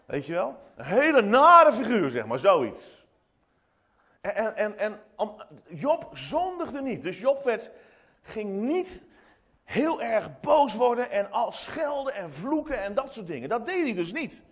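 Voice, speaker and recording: A man giving an animated children's sermon in church, retelling a story with many restarts and asides. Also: sits high, slow pace, slightly rough. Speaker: preacher speaking to children.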